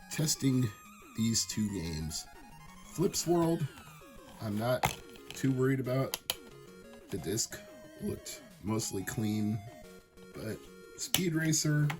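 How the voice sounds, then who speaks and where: Male vlogger, hoarse and raspy from a cold, lowish voice, easygoing chatty show-and-tell, music playing behind. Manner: chatty, easygoing, enthusiastic about finds. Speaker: thrifting video creator. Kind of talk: casual show-and-tell chat.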